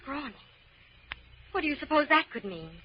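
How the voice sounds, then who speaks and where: High-voiced spirited radio sidekick. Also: female voice, big pitch swings, normal speed. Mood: inquisitive. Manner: perky, inquisitive. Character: curious, spirited female sidekick to a detective. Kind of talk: 1940s radio drama acting. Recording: muffled, noisy old radio recording.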